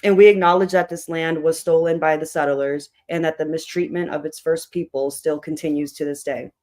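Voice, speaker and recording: A hoarse book club host with a tired voice, chatting loosely with many fillers while opening an online meeting. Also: medium pitch, steady tone, a little fast, darkish tone.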